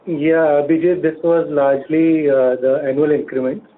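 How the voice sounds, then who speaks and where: Male finance executive, Indian accent, fairly high-pitched, giving earnings-call answers through narrow telephone audio. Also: flat delivery, moderate pace. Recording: phone-like audio with faint noise.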